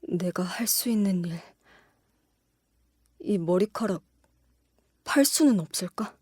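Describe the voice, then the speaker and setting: A woman's voice: lowish voice, lively intonation, slow pace, darkish tone, slightly rough, no echo, studio quality, exaggerated voice. A woman voice actor playing an earnest, worried but resolute teenage daughter in an audio drama. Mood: troubled, pensive.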